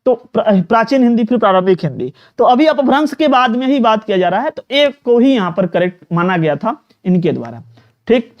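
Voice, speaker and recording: High-voiced teacher drilling students. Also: male voice, very animated, a little fast, muffled recording. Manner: repeats words and asks students questions, with many fillers. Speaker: Hindi teacher. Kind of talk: live online class, explaining exam questions.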